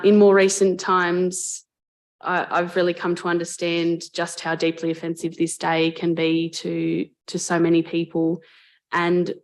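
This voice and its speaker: An Australian woman, a mayor, speaking earnestly and in a measured way in a council debate, with frequent ums and restarts. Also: on the low side, gravelly. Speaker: mayor chairing a council meeting. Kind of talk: formal council debate speech. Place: council chamber.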